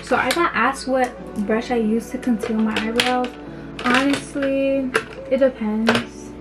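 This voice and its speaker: A woman's voice: fairly high pitch, level tone, unhurried, loud music behind the voice. Young woman talking with a retainer in. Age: young adult. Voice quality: slightly slurred speech from wearing a retainer. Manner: chatty, playful. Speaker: beauty vlogger. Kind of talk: casual makeup tutorial chat. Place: small bedroom indoors.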